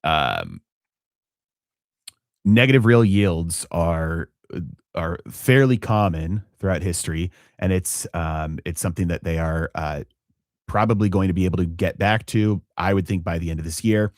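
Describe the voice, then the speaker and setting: A man with a very deep voice hosts a live finance stream, thinking aloud with frequent fillers and restarts. The sound is dry and close, with no room around it. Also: lively intonation, no room sound. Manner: halting, many fillers and restarts. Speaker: finance channel host. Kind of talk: live-stream market commentary.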